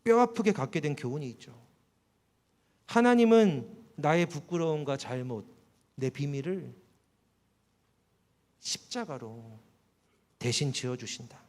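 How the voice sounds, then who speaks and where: A man, a pastor, preaching a sermon and telling a personal story in a storytelling way, softening his voice for quoted words. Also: expressive, measured pace, long pauses. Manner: storytelling, voice drops soft and low for quoted words. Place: church hall. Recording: long church hall reverb.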